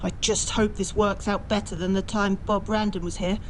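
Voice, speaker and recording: A woman's voice: medium pitch, level tone, normal speed, slight background noise, close to an everyday voice, rough recording. A woman playing an earnest good witch who explains things in an amateur audio drama.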